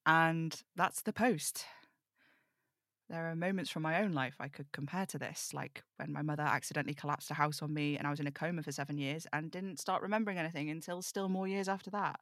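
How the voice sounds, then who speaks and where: A woman's voice: low-pitched, steady tone, fairly quick, fairly bright tone, no echo, studio quality. A woman playing a snarky, weary supernatural radio host in an audio drama, wry and brooding in manner. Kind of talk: audio drama table read.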